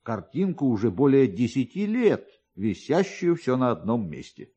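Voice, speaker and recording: Man narrating a story, very animated pitch. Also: husky. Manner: theatrical, expressive, with pointed pauses and emphasis. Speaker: narrator, actor reading a classic satirical story. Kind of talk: dramatic literary narration for radio.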